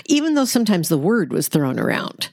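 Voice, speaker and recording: A woman's voice: lowish voice, big pitch swings, fairly quick, creaky, a little mellow, no echo. Woman teaching scripture in a dry, close recording. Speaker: Bible study podcast host.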